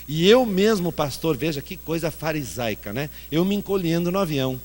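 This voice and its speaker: A man's voice: on the high side, moderate pace. A male pastor preaching a sermon and telling self-mocking stories, recorded in a church hall with long reverb. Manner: animated storyteller, self-mocking. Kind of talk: sermon with anecdotes.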